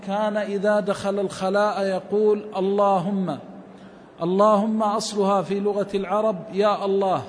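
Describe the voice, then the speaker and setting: Guy with a high, pretty flat voice giving a religious lesson, long hall echo. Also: a little hiss or hum. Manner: measured scholarly explanation, quoting verses and scholars. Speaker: Islamic scholar teaching a hadith text. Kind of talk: recorded religious lesson, explaining text line by line.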